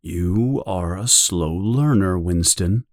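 A man voicing a calm, patient male interrogator who speaks softly and slowly, with quiet menace. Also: mid-range voice, no echo, clean studio sound, exaggerated voice. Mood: gently menacing. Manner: soft, slow and controlled. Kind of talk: audiobook character voice.

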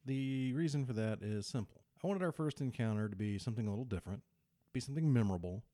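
A man's voice: mid-range voice, warm tone, dry recording, studio quality. A man, explaining his choices as game master in a voice-over commentary. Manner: explanatory, measured.

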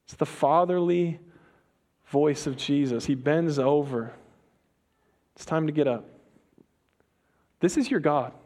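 Casual, quick-talking young male preacher. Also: on the high side, darkish tone. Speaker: pastor. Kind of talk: sermon.

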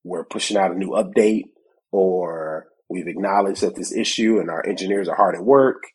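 With a low voice, a breathy edge, and normal speed, a man co-hosts a casual tech podcast in poor audio. He's a bit stuffed up from a cold, laughing often and playing both sides of conversations.

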